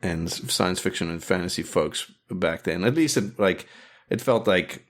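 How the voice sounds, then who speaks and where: In a casual interview, the guest, a director and animator in middle age from South Africa, speaks at a moderate pace with a low-pitched voice. He rambles, often starting over and leaning on fillers.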